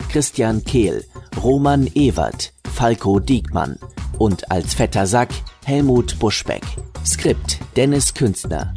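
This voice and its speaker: Male narrator for comedy radio play: lowish, unhurried, animated intonation, music bed. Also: gravelly. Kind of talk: scripted comedy audio drama narration.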